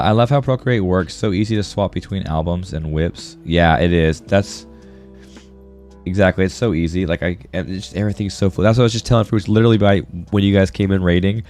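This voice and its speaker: A man with a low voice, stuffed up from a sore throat, chats casually on a livestream as he draws. He talks to viewers in a friendly, slangy way. Music plays behind him. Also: darkish tone. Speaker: art livestreamer. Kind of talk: casual livestream chat while drawing.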